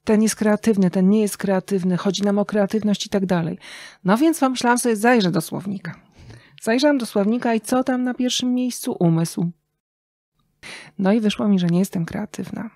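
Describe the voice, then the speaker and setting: A middle-aged woman chats as an interview guest in a dry, close recording. Her pitch is average, and she tells things expressively and reflectively, pausing to think. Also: mellow, no room sound. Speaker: interview guest, radio journalist and writer. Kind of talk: reflective casual podcast conversation.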